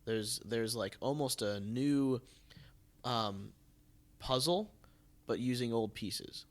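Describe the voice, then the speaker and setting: An American man hosting a casual podcast conversation, musing in a halting way as he thinks aloud. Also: mid-range voice. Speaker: podcast host and theatre artistic director.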